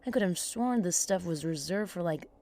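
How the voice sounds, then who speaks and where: Frazzled engineer, lively swooping pitch, exasperated muttering, salty-tongued, audio drama, faint background noise. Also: female voice, normal speed. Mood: musing, muttering. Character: scrappy, sweary, frazzled woman engineer who talks to herself.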